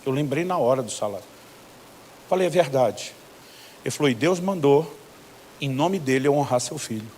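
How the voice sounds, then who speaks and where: Brazilian pastor telling stories from the pulpit. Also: male voice, a little high, slight background noise. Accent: Brazilian Portuguese. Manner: animated storyteller acting out both sides of conversations. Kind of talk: sermon storytelling with quoted dialogue.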